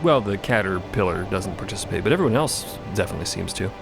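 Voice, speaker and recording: A man's voice: low voice, expressive, quick pace, gravelly, over music. A man co-narrating a fantasy audio drama, dramatic and scripted with casual asides.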